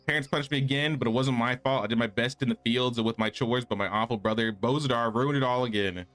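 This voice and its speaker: A man's voice: medium pitch, fast talker, a bit bright, close to an everyday voice. A man voicing an upset young village girl complaining about her brother in game quest dialogue. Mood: aggrieved.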